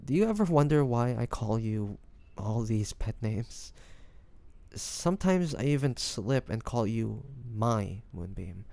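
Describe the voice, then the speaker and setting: Casting: male actor as tender, nervous young lover for romantic audio roleplay; mellow, gravelly voice, hesitant delivery. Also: fairly low pitch, very animated, a little slow, no echo, full character voice. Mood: tender, earnest. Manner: hesitant, stammering, breathy sighs. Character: devoted young man, tender, nervous, lovestruck best friend.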